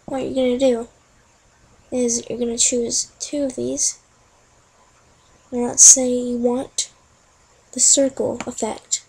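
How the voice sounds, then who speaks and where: Young woman, breathy and fairly high, casual screen-recording tutorial, talks through her clicks. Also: flat delivery, slow pace, pauses often, darkish tone, low-quality recording. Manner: chatty, talks through each click as she goes. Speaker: tutorial narrator.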